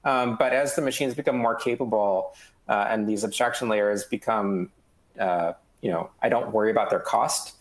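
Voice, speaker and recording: A man in his thirties explains technical points on a video call, pausing often on uh and um. His voice sits low with a gravelly edge. The call audio sounds roomy. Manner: measured, many ums and uhs. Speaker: hardware developer. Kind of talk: technical panel discussion. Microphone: headphones on a video call.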